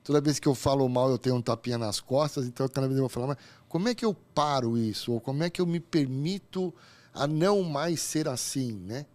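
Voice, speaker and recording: A man's voice: medium pitch, brisk, darkish tone. A man from Brazil hosting an interview, asking long rambling questions with hesitant restarts. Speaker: host. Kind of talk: conversational interview.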